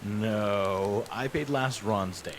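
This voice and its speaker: A man plays a jovial seafarer in an audio drama. His voice is lowish and drawn out very slowly, amid clear rain and sea noise. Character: jovial male sailor, slow-talking old salt. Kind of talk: maritime audio drama acting. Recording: outdoor scene, clear rain and sea ambience.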